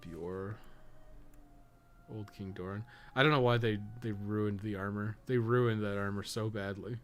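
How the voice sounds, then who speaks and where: A man's voice: lowish voice, fairly even intonation, unhurried. A man giving casual, rambling commentary as he plays a game, blunt and sweary in an offhand, grumbling way. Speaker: podcast co-host playing a video game. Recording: clearly noisy background behind the voice.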